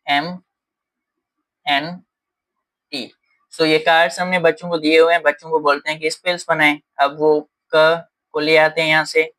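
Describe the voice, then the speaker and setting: A man's voice: on the high side, sharp tone, low-quality recording. A man teaching a lesson, explaining step by step in a patient way with frequent fillers. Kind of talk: explaining lesson in Hindi-English mix.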